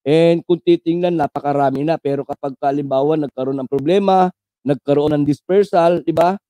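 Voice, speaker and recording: Guy from the philippines doing a live politics vlog, kinda high but mellow voice, dry close sound, keeps asking "right?" and gets sarcastic. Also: fairly quick, no room sound. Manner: addresses viewers as friends, constant tag questions; mixes English phrases into his talk. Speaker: political commentary vlogger. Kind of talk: casual live political commentary.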